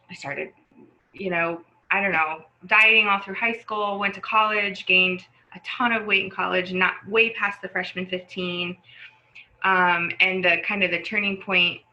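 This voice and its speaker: Chatty woman in her forties, bright voice. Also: on the low side, poor audio. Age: 40s. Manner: chatty, rambling, with many fillers and restarts. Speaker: podcast guest. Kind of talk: casual conversation.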